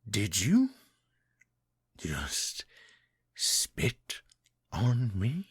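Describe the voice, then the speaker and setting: A man voicing a cruel male vampire master who taunts his captive in slow, menacing speech that sinks into whispers. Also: on the low side, wildly swooping pitch, a little hiss or hum, full character voice. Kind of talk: audio drama acting.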